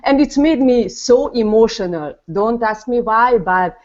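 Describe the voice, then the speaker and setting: A woman from Hungary with a Hungarian accent, speaking earnestly and haltingly as a guest in a casual online group chat. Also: a little high, expressive, darkish tone, lo-fi sound. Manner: earnest, halting, searches for words. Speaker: panel guest, mother of a toddler. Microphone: video call.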